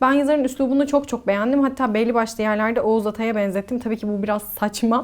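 A woman with a fairly high pitch speaks at a very fast pace with hardly any pauses. Her intonation is fairly even, and the background is quiet. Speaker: YouTuber; film reviewer. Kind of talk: casual monologue. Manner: giggly. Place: home room.

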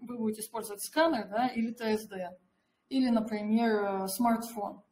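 A woman's somewhat breathy, fairly high voice at a moderate pace, with fairly even intonation. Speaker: webinar presenter. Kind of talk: webinar presentation. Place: studio.

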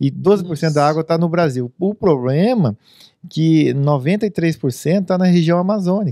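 The voice has a dark, mellow tone and ordinary pitch variation at a fairly slow pace. The sound is dry with no echo, over a quiet background. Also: man, high pitch for a man. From Brazil, Paraná (Umuarama); Paraná, Brazil. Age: 40s. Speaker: agricultural technician and political pre-candidate; candidate. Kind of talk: interview on local TV show. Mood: calm, relaxed conversation. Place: home room. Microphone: handheld.

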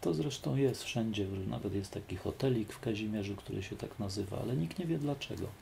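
With a Polish accent, a man speaks at a very fast pace in a somewhat breathy, dark, mellow voice of fairly low pitch, with lively intonation and light background noise. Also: hardly any pauses. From Silesia, Poland. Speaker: researcher and author, architect, painter; interview guest. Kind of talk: interview, casual chat. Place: home room.

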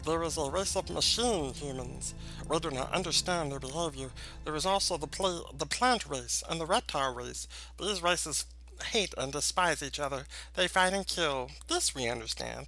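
A man performs a put-on character voice. Clear background noise sits behind him. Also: moderate pace. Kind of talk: comic alien voice acting. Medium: game stream. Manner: sycophantic, gushing, oily; self-satisfied, conspiratorial.

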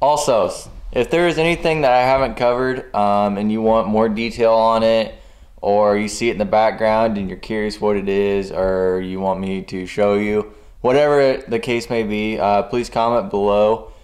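A man talks at a moderate pace with ordinary pitch variation. The background is quiet. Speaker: farmer vlogger. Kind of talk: casual vlog chat. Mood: relaxed, winding down. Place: home room. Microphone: phone near.

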